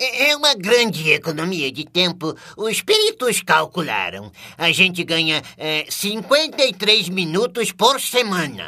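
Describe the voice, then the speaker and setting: A man's put-on character voice, high-pitched, raised and projected, at a fairly slow pace with very wide pitch swings. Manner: hesitant.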